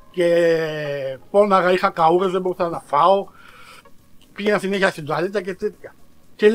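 A man with a notably high voice tells a story to his viewers in a casual vlog. He is dramatic and self-mocking, and he breaks into exaggerated outbursts. Faint music plays in the background. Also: a bit bright. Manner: addresses viewers directly, slangy and self-mocking. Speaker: vlogger.

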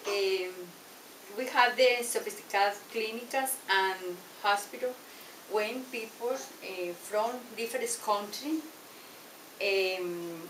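An older woman from Colombia with a Colombian Spanish accent, giving a halting show and tell in English from a paper, slipping into Spanish words. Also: medium pitch, fairly bright tone, slight background noise. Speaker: adult English learner. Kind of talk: classroom show and tell presentation. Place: small classroom. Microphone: far camera. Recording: roomy classroom from far off with clicks.

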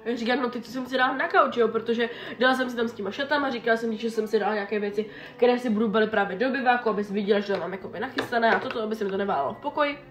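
A young woman vlogger chatting in an animated, exasperated way while doing her makeup. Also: on the high side. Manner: animated, exasperated retelling with quoted dialogue. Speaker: beauty vlogger. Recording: echoey room with faint background music.

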